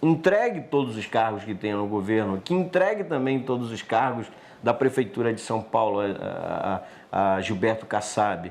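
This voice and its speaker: A man talks with very wide pitch swings. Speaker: political commentator. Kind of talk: political analysis discussion.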